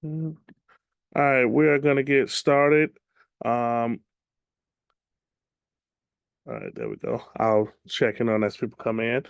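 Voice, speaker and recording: Man, real estate trainer, slightly raspy voice, chatty, lots of ums, dry close sound. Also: mid-range voice, no room sound. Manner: relaxed, chatty, many ums. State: slightly raspy from much teaching. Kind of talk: online class instruction. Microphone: video call.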